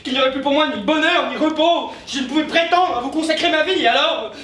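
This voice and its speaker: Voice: sits high, fast talker, a bit bright, recorded from a distance. A young actor playing an ardent hot-headed suitor. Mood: passionate. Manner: passionate, declamatory. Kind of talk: stage comedy acting. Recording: roomy stage from afar, audience audible.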